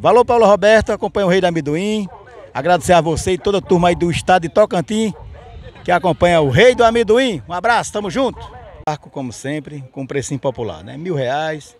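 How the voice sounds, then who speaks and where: A man with a Northeastern Brazilian accent reports casually from an open-air market. His voice sits a little high. He talks familiarly to the people around him and leans on short, repeated catchphrases. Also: brisk. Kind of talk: casual on-location vlog commentary and interviewing. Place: outdoor dirt-lot livestock market with trucks.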